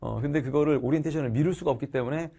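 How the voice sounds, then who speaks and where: Middle-aged guy teacher, gravelly and kinda dark voice, chatty with his students, getting over a cold. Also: on the high side, very fast. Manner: chatty, speaks to viewers as students. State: recovering from a cold. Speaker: online social studies teacher. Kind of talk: casual lecture to students.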